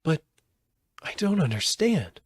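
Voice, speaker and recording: A man's voice: on the high side, very animated, slow, a little hiss or hum, voice pushed up. A man reading a storybook aloud as an earnest, questioning young girl. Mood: bewildered.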